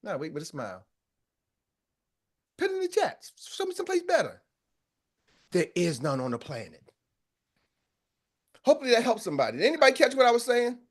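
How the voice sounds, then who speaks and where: A high-voiced American man leads a group call as a sales coach. He talks in a fiery, preacher-like way and drives his points home by repeating them. The energy stays high as he pushes the listeners. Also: wildly swooping pitch, a little fast, pauses often. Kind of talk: motivational pep talk.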